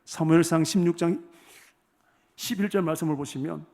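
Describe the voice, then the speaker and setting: A male pastor preaching a sermon in a church. He keeps asking the congregation questions and swings between hushed words and forceful ones. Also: a little high, moderate pace. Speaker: senior pastor. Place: church sanctuary.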